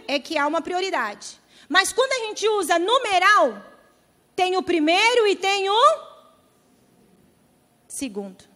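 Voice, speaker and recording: A woman pastor preaching a sermon with impassioned, dramatic swings in loudness. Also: very high-pitched. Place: large convention center hall. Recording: reverberant convention hall.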